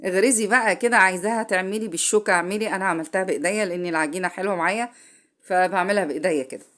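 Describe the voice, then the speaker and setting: A woman's voice: mid-range voice, racing, fairly bright tone. A woman with an Egyptian accent, who has a cold, chats through a home cooking tutorial. She talks straight to her viewers and often corrects herself midway. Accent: Egyptian Arabic. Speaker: home cook.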